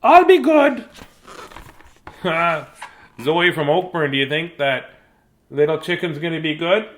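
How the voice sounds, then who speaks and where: A man's voice: a little high, steady tone, unhurried, bright, forceful tone. A man chatting casually and playfully while reading bedtime storybooks to children on a livestream.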